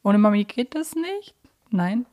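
A woman's voice: medium pitch, sing-song, measured pace, a little mellow. Female podcast co-host, middle register, informal conversational quiz delivery. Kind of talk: casual quiz chat about audio dramas.

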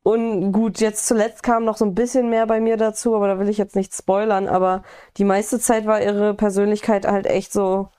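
A woman's voice: medium pitch, level tone, normal speed, warm tone, smooth. A woman in casual, enthusiastic chat about a video game, talking freely and swearing now and then.

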